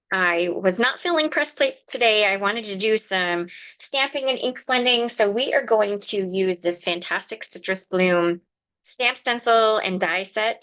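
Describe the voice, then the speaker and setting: Hosting a live card-making stream, this woman chats with viewers by name and explains her craft casually, sounding a little sniffly from a cold. Her mid-range voice has a slight brightness.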